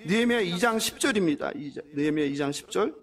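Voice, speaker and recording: Delivering a sermon quickly and expressively, this pastor's voice sits high. He answers his own questions to the congregation and now and then mimics the taunts of the passage's enemies.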